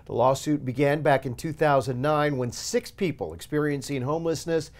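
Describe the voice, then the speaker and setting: A man's voice: on the high side, normal speed. A man anchoring the news from a studio desk with an emphatic broadcast delivery.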